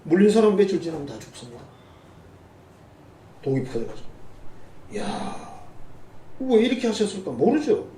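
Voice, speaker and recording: A man's voice: high-pitched, very animated, normal speed, long pauses, warm tone, a little hiss or hum. A middle-aged man preaching a sermon as a pastor, in a conversational way with teasing asides to the congregation. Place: church sanctuary. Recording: roomy church sound from a distant mic.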